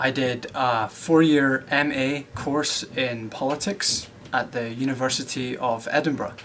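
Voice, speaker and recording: The speech moves at a fairly slow pace. Background noise is noticeable throughout. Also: man, medium pitch for a man. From UK. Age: 20s. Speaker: English teacher. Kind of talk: self-introduction video. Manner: halting, with many fillers.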